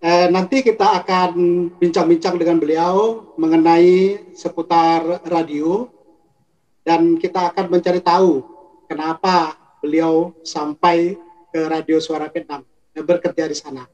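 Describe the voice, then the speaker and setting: A man's voice: a little high, steady tone, unhurried, a little mellow. A man hosting an interview, phrasing his questions politely and with some hesitation. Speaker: interviewer, channel host. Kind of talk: unhurried interview. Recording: dull, lo-fi audio.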